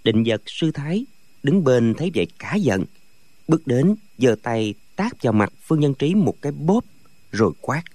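A man narrating a martial arts novel as an audiobook, with expressive storytelling. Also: mid-range voice, normal speed, dry recording.

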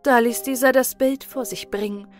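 A woman narrates a fairy-tale audiobook in a calm, measured way. Her voice sits a little high. Faint music runs beneath the reading.

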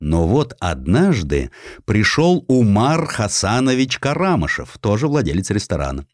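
Animated male narrator, dry studio sound. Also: lowish voice, a little slow, no echo. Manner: dramatic, expressive. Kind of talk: theatrical scripted narration of a historical story.

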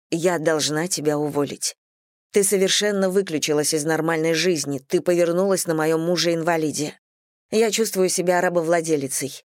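A woman reading an audiobook voices a tired businesswoman and wife who argues in a firm, measured way. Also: fairly low pitch, dry recording, clean studio sound, lightly acted.

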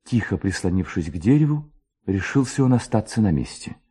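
A man narrating a classic radio play in a measured, expressive storytelling manner. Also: fairly low pitch, slightly rough.

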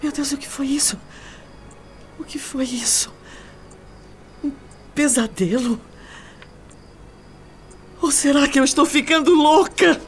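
A woman's voice: sits high, slow, pauses often, music in the background. An actress playing an anguished, impulsive young woman in a melodramatic radio soap opera. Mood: shaken, bewildered. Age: young adult. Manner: emotional, melodramatic.

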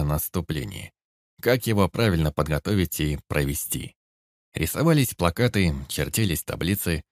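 Guy reading a story, really deep voice, dry close sound. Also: a little mellow, no room sound. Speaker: narrator. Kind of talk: audiobook narration.

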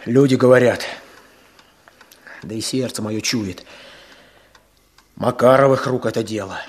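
A man's voice: medium pitch, unhurried, natural voice. An actor in a Russian radio drama playing a determined, vengeful village man, speaking tersely and urgently. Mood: grieving, bitter. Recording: noisy old radio play recording.

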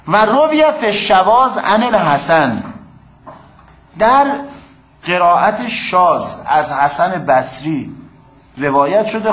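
A man's voice: a little high, fairly bright tone, roomy sound. A man teaching a class on Quran commentary, reading Arabic passages aloud and explaining them, often checking that his listeners follow and prompting them to answer. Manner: reads Arabic passages, then explains them in plain speech. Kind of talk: classroom lecture.

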